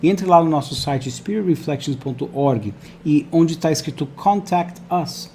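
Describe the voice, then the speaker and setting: A fairly high-pitched man hosts a live online interview from a video call, talking in a friendly, chatty way to viewers and his guest. His voice is soft and mellow. A faint ambient hiss sits behind him. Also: lively intonation, unhurried. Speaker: host.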